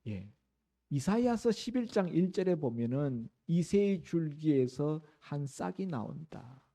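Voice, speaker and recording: A middle-aged male pastor delivers his sermon like a story, his pitch rising and falling with lively swings. His voice sits a little high but sounds deeply dark and mellow. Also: unhurried. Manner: animated storytelling preaching, voicing the scripture's cries.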